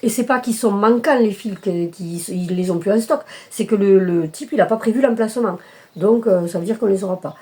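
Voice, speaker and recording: A woman's voice: medium pitch, fairly quick, warm tone. A woman showing her cross-stitch work in a casual video chat, talking hesitantly with many fillers and self-corrections. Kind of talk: casual show-and-tell chat.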